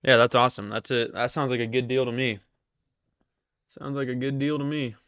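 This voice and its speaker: A man's voice: mid-range voice, steady tone, brisk, a bit bright, smooth, dry recording, muffled recording. A man hosting a casual live stream, chatting with viewers while losing his voice. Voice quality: strained, tired voice. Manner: chatty, reads viewer comments aloud. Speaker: live-stream trader host.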